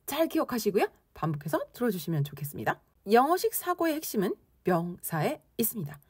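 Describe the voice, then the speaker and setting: A woman teaching English conversation in Korean, lively and playful, acting out angry reactions as she explains expressions. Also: medium pitch, fast talker, breathy edge, dry recording, studio quality.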